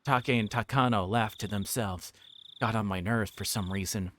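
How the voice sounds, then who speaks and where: A man reads a visual novel aloud on a livestream, doing character voices and occasionally stumbling over words. His voice is on the low side and a bit bright, at a moderate pace, and the background is clearly noisy with clicks.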